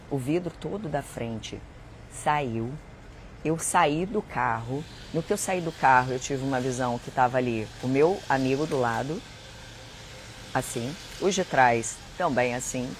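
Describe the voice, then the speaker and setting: A Brazilian woman hosting a live spiritual chat, telling personal stories in an animated, dramatic way and often addressing her viewers. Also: a bass voice, slight background noise. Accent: Brazilian Portuguese. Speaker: host.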